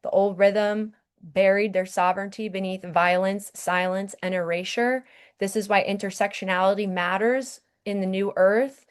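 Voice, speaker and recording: A woman's voice: mid-range voice, steady tone, moderate pace, smooth. A woman hosts a spiritual podcast in an impassioned, earnest voice. She urges her listeners on and keeps checking in with them. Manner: earnest, urging, repeats "okay?". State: briefly emotional.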